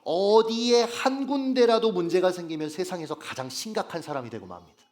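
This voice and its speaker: Animated male pastor preaching a sermon. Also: high-pitched, brisk. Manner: asks the congregation frequent rhetorical questions; earnest and emphatic, stressing key phrases. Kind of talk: Sunday sermon. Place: church worship service.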